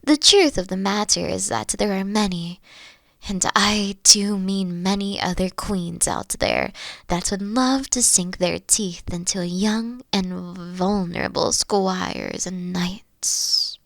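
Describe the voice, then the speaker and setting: A woman playing a mature, regal queen in an audio roleplay, teasing and flirtatious with a breathy, coy delivery and a protective streak. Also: medium pitch, slow pace, no room sound, clean studio sound. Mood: candid, warm.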